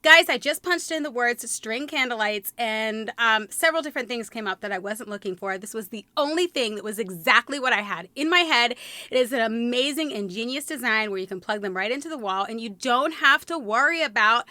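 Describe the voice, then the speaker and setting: A woman in her thirties narrating a home decorating vlog, upbeat and gushing, her voice going hoarse. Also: fairly high pitch, expressive, fairly quick, sharp tone, no echo. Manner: enthusiastic, gushing, says "guys" often. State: losing her voice. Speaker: DIY home decor vlogger. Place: indoor room with curtains and fairy lights.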